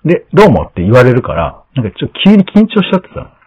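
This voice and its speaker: A man hosting a podcast, chatting casually and telling a story in an animated way, acting out the lines of the people in it. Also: medium pitch, quick pace, husky. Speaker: podcast host. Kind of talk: casual chat. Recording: dull lo-fi sound.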